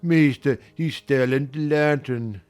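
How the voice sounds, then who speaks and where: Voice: medium pitch, slow, smooth, soft background music, close to an everyday voice. A reader doing a bawling old servant. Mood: shouting. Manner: loud, drawling, shouting alarms. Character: ancient cantankerous male farm servant.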